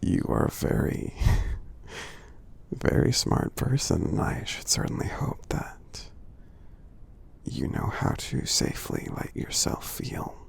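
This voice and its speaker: A man voicing a kindly, reassuring giant in a soothing ASMR roleplay, half-whispering with a husky, gravelly creak and halting delivery. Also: sits low, wildly swooping pitch, heavily acted. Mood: soothing, caring. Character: gentle friendly male giant, kindly and reassuring. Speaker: ASMR performer.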